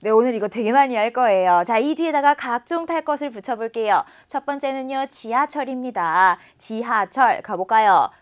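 A woman teaching a beginner Chinese lesson, modelling words slowly and encouraging learners to repeat after her. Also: on the high side, expressive. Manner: encouraging, asks learners to follow along.

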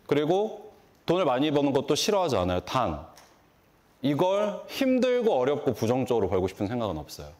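A man giving a motivational lecture on stage, throwing rhetorical questions at the audience and answering them himself. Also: brisk. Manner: lively, swooping delivery with sudden pitch jumps. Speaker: hairdressing instructor and brand owner. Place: large conference stage before an audience.

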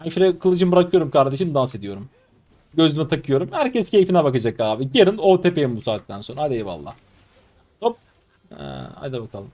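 A man in his twenties, a live streamer giving excitable, mocking gameplay commentary. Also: on the high side, a little fast. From Turkey. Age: 20s. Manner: excitable, mocking and trash-talking.

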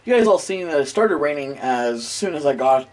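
A slightly high, animated man with a head cold vlogs at a moderate pace, chatty and rambling with plenty of fillers. He films himself on a handheld action camera at arm's length in his bedroom, out on the streets and inside a store.

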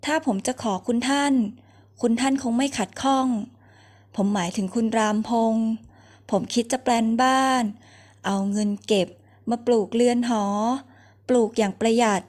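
A woman's voice: fairly high pitch, moderate pace, darkish tone, close to an everyday voice. Naive friendly young guy, woman reading him, polite and eager, audiobook. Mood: earnest.

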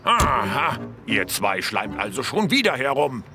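A man's voice: medium pitch, very animated, a little slow. A man voicing a stern, bossy police officer in a children's cartoon, scolding and commanding. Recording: music behind.

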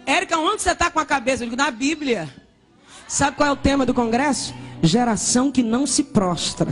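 A woman missionary from Brazil preaching a fervent pentecostal sermon and testimony, often shouting and speaking in tongues. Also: sits high, expressive, brisk, soft background music.

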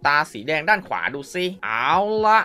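A man's voice: fairly high pitch, very animated, moderate pace, sharp tone. A man giving playful mobile game commentary, full of exclamations and mouthed sound effects. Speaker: mobile game YouTuber and host.

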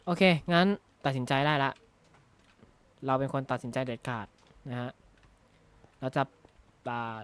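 A man's voice: mid-range voice, measured pace, pauses often, a bit bright, clean tone, no room sound. Rambling man playing a video game. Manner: rambling, jokey, thinks aloud with frequent "na ha" tags. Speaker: gaming YouTuber. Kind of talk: casual Minecraft let's-play commentary. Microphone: close desk mic.

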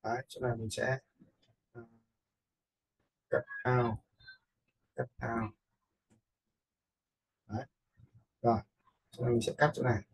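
Casting: male editing instructor, husky, even-toned, casual screen tutorial commentary. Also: medium pitch, takes it slowly, long pauses, rough recording.

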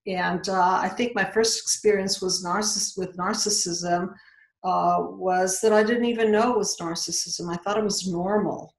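A woman's voice: medium pitch, fairly even intonation, normal speed. A woman in her sixties from Hungary, speaking as a psychologist guest on a video call. She explains earnestly and often restarts mid-sentence. The webcam audio has a roomy, echoing sound. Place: indoor home office.

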